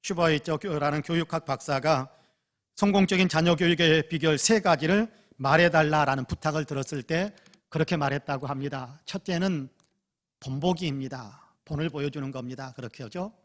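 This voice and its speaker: A man's voice: a little high, normal speed. A man preaching a Sunday sermon as pastor, telling a story with dramatic, acted-out quotes. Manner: dramatic storytelling, acting out quoted shouting and prayer. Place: church sanctuary.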